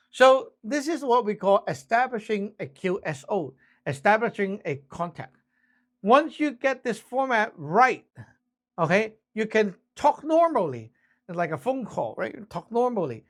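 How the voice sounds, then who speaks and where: In a casual spoken lesson on radio communication basics, an instructor with a distinctly high-pitched male voice explains each step plainly and acts out example exchanges. He checks in often with brief tag questions, and his voice sounds a bit bright.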